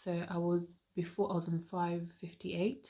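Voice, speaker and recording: A soft-spoken woman with a British accent, a fairly low pitch, and a dark, mellow, somewhat breathy tone. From UK, Zambian heritage. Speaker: finance vlogger. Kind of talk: casual vlog.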